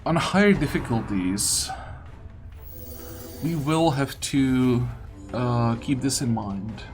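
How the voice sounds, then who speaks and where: Male gaming host, mid-pitched, hesitant think-aloud delivery in casual commentary, prominent game music underneath. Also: slow. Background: video game music.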